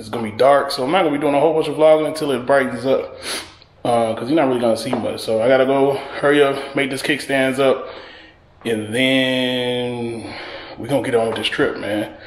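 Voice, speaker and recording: Audible room echo surrounds a man's voice. He speaks fairly quickly with fairly even intonation. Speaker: motorcycle vlogger. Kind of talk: casual vlog chat. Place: garage. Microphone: phone near.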